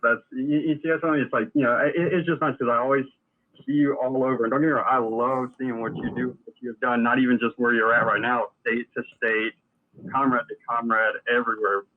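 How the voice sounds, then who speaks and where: Earnest male caller, measured delivery, heard through a tinny phone line. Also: medium pitch, little pitch movement. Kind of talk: phone call-in chat.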